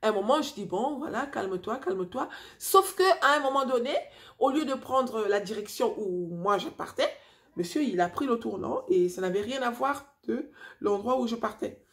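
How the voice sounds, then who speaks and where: A woman in her forties from Africa, telling a personal story to her viewers in a chatty, animated way with many fillers and restarts. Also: a little high, normal speed. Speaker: vlogger. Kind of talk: casual storytelling to camera.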